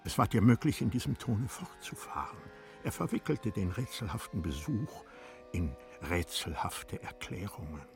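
A man narrating a literary radio play in a measured, deliberate manner, letting phrase endings drop to a hush. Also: lowish voice, expressive, gravelly, music in the background.

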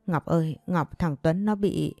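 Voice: medium pitch, measured pace, vocal fry, dark tone, no room sound, clean studio sound. A woman reading as a grieving tearful mother. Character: grieving middle-aged mother of an injured son.

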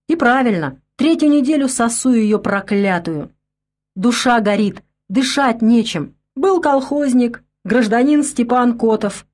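A woman reading an audiobook, voicing a coarse, bitter, drunk male peasant laborer with rough country speech. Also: fairly high pitch.

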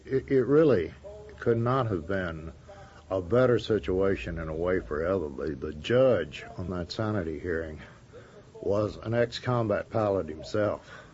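Guy from the us talking in an interview, halting and emphatic, lowish voice, dull recording. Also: darkish tone. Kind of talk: unscripted interview recollection.

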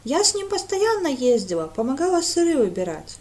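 A woman doing a loud, fiery young girl. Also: high-pitched, very animated, a little fast, pitched above the performer's own voice. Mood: worried. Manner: loud, indignant, outspoken. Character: hot-tempered blunt young woman.

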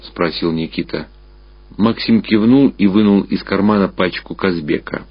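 A man reading literary fiction aloud as a narrator, with measured, expressive dramatic storytelling. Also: low voice, no room sound. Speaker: audiobook narrator. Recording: muffled radio-style sound, music behind. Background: clear background music.

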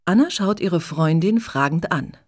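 A woman narrating a chapter of a story in clear, measured scripted reading. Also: fairly low pitch, lively intonation. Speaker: audiobook narrator.

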